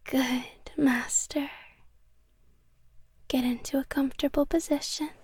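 Possessive cat girl, voiced by a woman; high, slow, close whispers, dry sound. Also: fairly even intonation, dry recording. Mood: doting whisper. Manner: soft whispering, close and intimate. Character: possessive young cat girl, sweetly obsessive. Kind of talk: ASMR roleplay.

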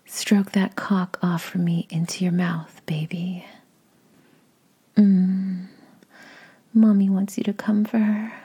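A woman whispering close to the mic in a slow, coaxing, commanding voice for an intimate audio roleplay. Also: medium pitch, level tone, warm tone, breathy edge. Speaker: adult audio performer.

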